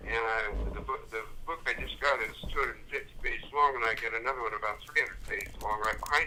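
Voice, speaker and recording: A man rattles off his words very fast, with noticeable noise around him. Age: 80s+. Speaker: retired biostatistician and author. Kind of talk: casual chat. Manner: halting.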